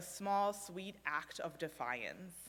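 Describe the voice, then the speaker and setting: A woman with a German accent, medium pitch, ordinary pitch variation and a bright, sharp tone. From Germany. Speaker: congregant sharing a personal reflection. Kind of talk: personal reflection in a worship service.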